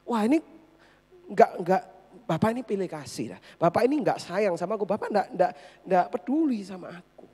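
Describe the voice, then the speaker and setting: A woman's voice: medium pitch, sing-song, a little fast, mellow, husky, big-room sound. A woman voicing a resentful elder son who complains to his father that he has been treated unfairly. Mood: bitter. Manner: aggrieved, complaining.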